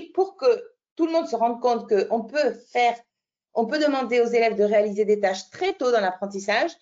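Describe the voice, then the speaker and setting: Woman, Italian accent, teacher trainer, webinar talk, fairly high voice, dull lo-fi sound. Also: darkish tone. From Italy. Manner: explanatory, many fillers and restarts, checks in with "d'accord?". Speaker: French language teacher trainer. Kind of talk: webinar presentation.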